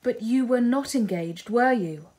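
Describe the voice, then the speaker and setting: A woman voicing a composed, sensible older sister who speaks calmly and with gentle firmness. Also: on the high side, unhurried, voice pushed up, lightly acted. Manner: calm, restrained, gently firm. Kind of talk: audiobook character reading.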